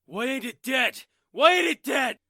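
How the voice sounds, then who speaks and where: Man acting a gruff, animated country gunman. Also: very high voice, measured pace, dry recording, studio quality, full character voice. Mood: alarmed, nervous. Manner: folksy, threatening, barking orders. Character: gruff, suspicious rural man with a rifle, easily rattled. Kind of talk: audio drama acting.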